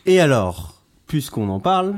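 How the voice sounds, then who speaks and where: A man's voice: medium pitch, big pitch swings, a little slow. A young man co-hosting a podcast in a loose, teasing chat, often hesitating with fillers before he finds his words. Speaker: podcast co-host. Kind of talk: casual chat.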